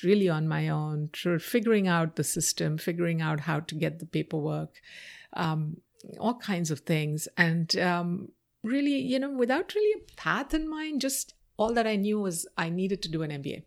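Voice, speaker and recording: A woman's voice: lowish voice, expressive, gravelly. A woman from India whose first language is Marathi, thoughtfully answering interview questions about her life and career. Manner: thoughtful, reflective, many pauses and fillers. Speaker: interview guest.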